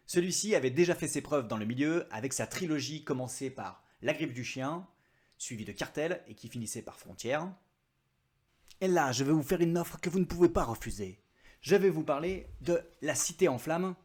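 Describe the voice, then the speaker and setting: A man talks through his favourite reads in a relaxed vlog, his voice sitting a little high for a man. He keeps it chatty and throws in self-mocking asides. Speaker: book vlogger. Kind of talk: casual book review vlog.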